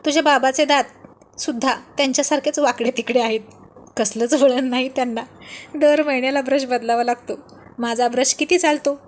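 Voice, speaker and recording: A woman's voice: sits high, steady tone, a little fast, natural voice. Woman voicing a playful teasing young wife. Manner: coaxing, teasing.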